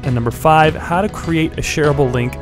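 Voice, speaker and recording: A young man with a stuffy head cold, giving friendly step-by-step instructions in a software tutorial voice-over. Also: on the high side, fairly quick, over music. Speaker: blogger teaching a software tutorial. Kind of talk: screen-recorded tutorial voice-over.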